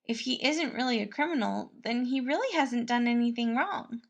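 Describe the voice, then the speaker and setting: A woman voicing a kindly, eager young male palace cook in a fan-fiction audiobook, gentle, bubbly and a little hesitant. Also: fairly high pitch, lively intonation, moderate pace, pitched above the performer's own voice. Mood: earnest reassurance.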